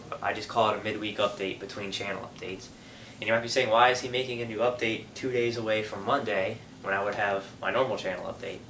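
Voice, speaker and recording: A young man with a fairly low, sharp voice and a cold-stuffed nose hosts a casual gaming vlog update from a room at his family home, rambling with lots of fillers and restarts. The mic is at a distance in an echoey room, with a little hiss or hum.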